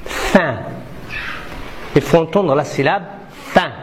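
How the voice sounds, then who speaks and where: A man's voice: a little high, slow pace, a bit bright, slight background noise. A man teaching pupils in a classroom, repeating syllables one at a time and correcting answers with short, firm replies. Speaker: primary school teacher. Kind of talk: classroom pronunciation drill.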